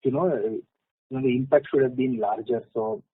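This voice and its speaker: A man with an Indian accent asks unscripted questions as a financial analyst by phone, halting as he picks his words. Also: mid-range voice, husky, no room sound. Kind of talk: spontaneous call questioning. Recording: dry, narrow phone line.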